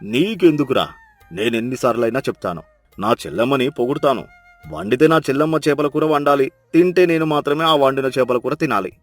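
A man's voice: mid-range voice, lively intonation, fairly quick, natural voice. A man acts out a village uncle for a cartoon moral tale. He blusters and takes mock offence, proud and greedy about home cooking. Faint music sits underneath. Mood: boastful. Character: touchy, food-loving village uncle who praises his sister's cooking. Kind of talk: animated moral story dialogue.

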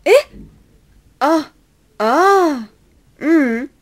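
A young woman playing an earnest, stressed high-school senior girl in an amateur radio drama. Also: lively intonation, drawn-out words, exaggerated voice. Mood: friendly, hesitant. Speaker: student radio drama actor.

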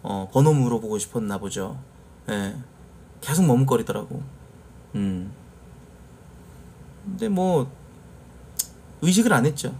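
Male streamer, casual chat, very lively intonation, animated storyteller. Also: mid-range voice, a little slow, long pauses, slight background noise. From Jeolla, South Korea. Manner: animated storyteller acting out quoted lines. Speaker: live streamer.

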